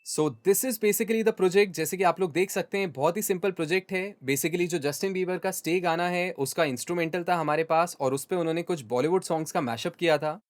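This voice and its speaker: A young man with an Indian accent hosts a mixing tutorial. His voice sits high for a man, and he explains things step by step in a conversational way. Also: a little fast, hardly any pauses, a little hiss or hum. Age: 20s. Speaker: music mixing tutor and video host. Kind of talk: tutorial explanation, Hindi mixed with English terms. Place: small home studio, indoors.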